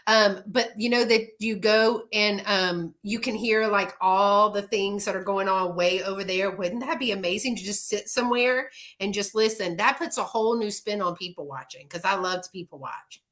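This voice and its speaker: A woman's voice: mid-range voice, a bit bright. A woman with a Texas accent hosting a casual live video chat, reading out viewer comments and chatting with friends. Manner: chatty, lists things off quickly.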